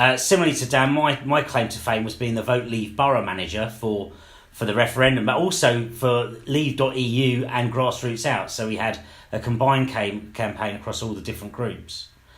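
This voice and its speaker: With a South London accent, a man talks at a moderate pace and medium pitch, with ordinary pitch variation and audible room echo. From South London, Croydon. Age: 40s. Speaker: political podcast co-host. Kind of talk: podcast introduction.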